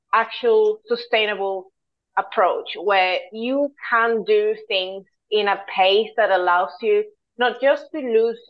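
A woman's voice: mid-range voice, highs cut off. A woman in her thirties from Venezuela, a dietitian guest on a podcast, explaining her approach earnestly at length with restarts. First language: Spanish. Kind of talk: podcast interview.

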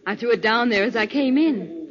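A woman's voice: on the high side, expressive, brisk, crowd noise, lightly acted. A dull vintage radio recording with background murmur, with a woman playing a fashion expert. She is poised and gracious in 1940s drama style.

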